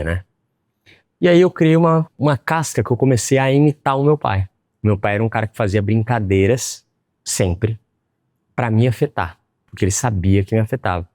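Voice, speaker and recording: A man's voice: on the low side, dark tone, no room sound, studio quality. A man with a Brazilian accent telling a personal story in a blunt, profane, emphatic way, as a motivational speaker. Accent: Brazilian Portuguese. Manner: addresses viewers as "rapaziada". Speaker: online business educator.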